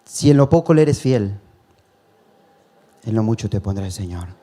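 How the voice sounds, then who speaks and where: A man's voice: fairly low pitch, expressive, normal speed, warm tone. A man preaching a sermon, earnest and personal, telling his story to the congregation, calling them brothers and chuckling now and then. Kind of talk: sermon testimony.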